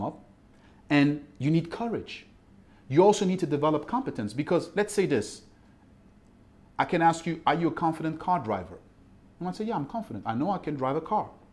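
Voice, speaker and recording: Speaking in a French accent, a man keeps a fairly quick pace in a high pitch. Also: long, frequent pauses. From Ivory Coast. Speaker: mindset coach. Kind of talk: interview.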